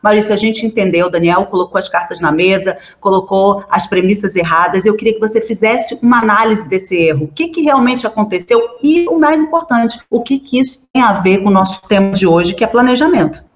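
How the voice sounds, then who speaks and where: A woman's voice: medium pitch, brisk, few pauses, reverberant. A woman with a Brazilian Portuguese accent hosting a live session, upbeat and steering questions to her guests. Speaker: host.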